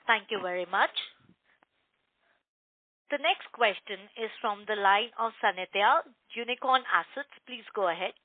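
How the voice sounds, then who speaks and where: A woman's voice: medium pitch, normal speed, no room sound. A woman working as a conference call operator, making formal scripted announcements over the telephone. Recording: tinny telephone line.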